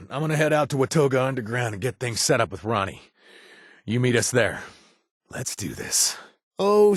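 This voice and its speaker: A laid-back joking bartender. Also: male voice, fairly low pitch, slightly rough, dry recording, studio quality, heavily acted. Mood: earnest. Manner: laid-back, chatty, lots of uh and chuckles. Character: easygoing male bartender ally, joking and money-minded. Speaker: game companion character. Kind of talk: video game voice acting. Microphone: close studio mic, dry.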